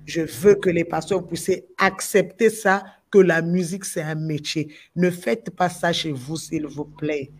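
This gospel musician from the Democratic Republic of the Congo has a low-leaning, slightly mellow voice with a Congolese French accent. Her intonation stays fairly even and her pace measured, with few pauses. Still, she speaks passionately in a heated talk-show exchange, repeating phrases to drive points home.

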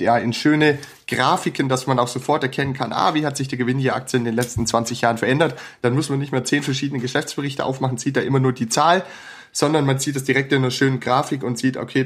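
A man as a podcast guest, explaining his approach to analyzing companies in a thorough, methodical way. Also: medium pitch. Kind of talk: explanatory interview answers.

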